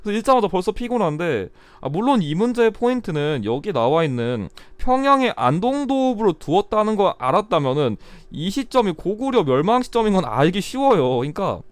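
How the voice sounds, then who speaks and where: A man's voice: high voice, dry recording. A young man giving a blunt, chatty exam review lecture, still getting over a cold. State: recovering from a cold. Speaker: history exam tutor.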